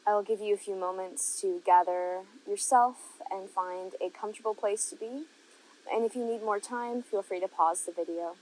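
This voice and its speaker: A woman narrating a guided meditation, giving gentle, unhurried instructions with long pauses between phrases. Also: mid-range voice, steady tone, low-quality recording.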